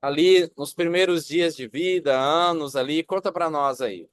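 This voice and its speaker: A man, a pastor, who hosts a church interview, asking quick, upbeat questions and leading a prayer. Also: on the high side, dry recording, clean studio sound. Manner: upbeat, rapid questions with affirmations.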